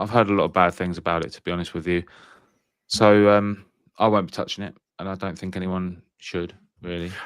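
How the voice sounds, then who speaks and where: Someone with an English accent speaks at a fairly quick pace in monotone, flat intonation, with long, frequent pauses. Loudness swings widely on a very clean recording with a silent background. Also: man, very deep, low pitch for a man. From England. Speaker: YouTube coach and talk show host. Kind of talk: casual chat. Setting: YouTube live stream.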